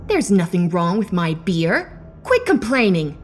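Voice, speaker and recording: A man voicing a stern, sharp-tongued woman pub landlady. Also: high voice, sing-song, a little slow, noisy background, pitched above the performer's own voice.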